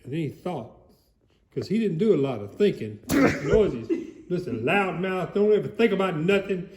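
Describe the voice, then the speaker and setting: A man's voice: lively intonation, normal speed, noisy background. A man voicing a goofy alligator who reads a storybook aloud theatrically, rambling and prone to laughter. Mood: hammy, amused. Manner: theatrical, booming shouts, rambling, breaks into laughter. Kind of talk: comedic dramatic storybook reading.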